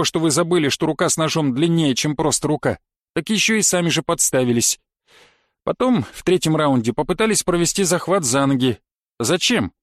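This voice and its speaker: A man's voice: on the high side, no echo, studio quality, close to an everyday voice. A man voicing a pedantic male knife-fighting coach who lectures dryly and thoroughly in an audiobook. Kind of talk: audiobook character reading.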